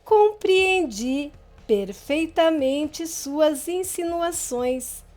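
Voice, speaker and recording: A woman narrating a gothic novel in an expressive, dramatic storytelling manner. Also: sits high, drawn-out words, faint music behind. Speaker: audiobook reader.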